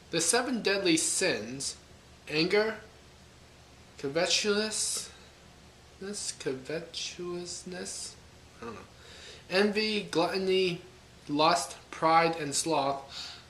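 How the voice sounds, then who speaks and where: A man's voice: a little high, fairly bright tone, a little hiss or hum. A man rambling casually to camera, thinking aloud and correcting himself with wry asides. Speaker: vlogger. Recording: echoey room.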